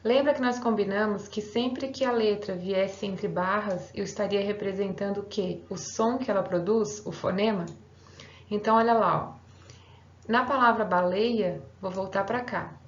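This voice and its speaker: A woman's voice: mid-range voice, moderate pace, hardly any pauses. A woman teacher giving a recorded online grammar lesson, explaining patiently step by step and checking in with her students. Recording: roomy, slightly dull home recording.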